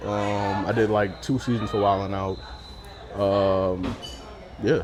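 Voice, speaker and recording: In an American accent, a man talks at a very slow pace with monotone, flat intonation, against noticeable background noise and audible room echo. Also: fairly low pitch for a man. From Boston, Massachusetts (Hyde Park, Dorchester). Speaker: barber. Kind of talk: interview.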